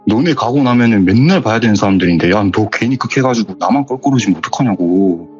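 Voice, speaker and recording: A man's voice: on the low side, expressive, quick pace, a little mellow, dull audio, faint music behind, voice pushed down, lightly acted. A man doing an anxious young country guy, pleading. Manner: pleading, reasoning with his friend.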